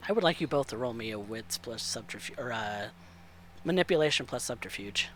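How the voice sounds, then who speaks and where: A man narrating a tabletop roleplaying game as game master, improvising in a halting way. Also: mid-range voice, expressive, a bit bright, slight background noise.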